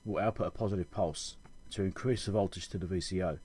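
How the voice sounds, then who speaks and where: A man giving an informal technical explanation as a channel host, halting and correcting himself as he thinks aloud. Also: sits low, fairly even intonation, darkish tone, slight background noise. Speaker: electronics repair channel host.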